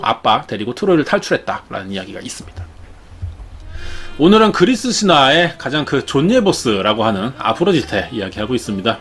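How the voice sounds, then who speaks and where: A show host with a medium-pitched, slightly bright voice retells myths. His storytelling is casual, chatty and full of jokes.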